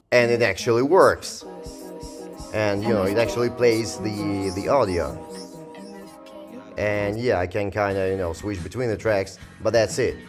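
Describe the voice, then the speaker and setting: A man with a low voice talks through a software review in a casual, informal style. He rambles and hedges as he goes, and music plays behind him. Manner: rambling, informal, hedging with filler phrases. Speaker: tech reviewer.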